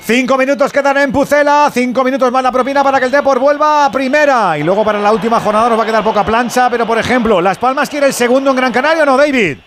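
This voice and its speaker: A man's voice: very high voice, fast, few pauses, fairly bright tone. A man hosting a live radio football round-up, calling on reporters over a music bed. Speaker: sports radio host.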